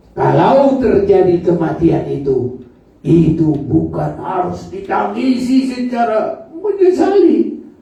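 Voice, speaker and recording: Very slow speech from a man, amid noticeable background noise and audible room echo. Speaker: preacher. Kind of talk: sermon. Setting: church service.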